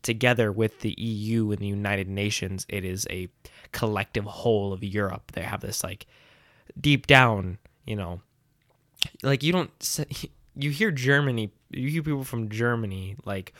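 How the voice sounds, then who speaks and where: A young man from the United States chats in a joking, sarcastic way and laughs through his points. His voice sits low. The sound is dry and close, with no room around it. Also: fairly bright tone, dry recording. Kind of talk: casual chat.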